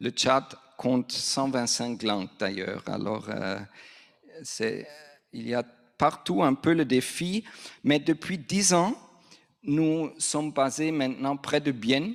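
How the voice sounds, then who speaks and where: Speaking very slowly, a man with a non-native accent uses lively intonation. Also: fairly high pitch for a man. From German-speaking Switzerland. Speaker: missionary. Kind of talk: sermon. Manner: halting.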